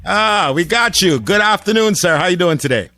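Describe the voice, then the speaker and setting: A man's voice: high-pitched, lively intonation, normal speed, bright, forceful tone, dry recording. A man hosting a casual radio interview, laid-back and dotted with "uh" fillers. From Jamaica. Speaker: radio host. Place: radio studio.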